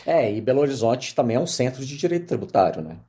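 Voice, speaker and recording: Homem mineiro animado, voz escura. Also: male voice, mid-range voice, quick pace. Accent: Mineiro Portuguese. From Minas Gerais, Brazil. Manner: animated storyteller, many fillers. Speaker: lawyer, podcast guest. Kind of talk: casual interview conversation.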